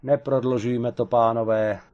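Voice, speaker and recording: A man voicing a proud, domineering former strongwoman wrestler who talks loudly and haughtily. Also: fairly even intonation, lo-fi sound, natural voice. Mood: haughty. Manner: booming, haughty, matter-of-fact about cruelty.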